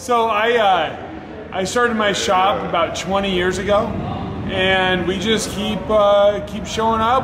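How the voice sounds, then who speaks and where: A high-pitched man at a fairly slow pace, his intonation fairly even, over noticeable background noise. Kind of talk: interview answer. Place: workshop.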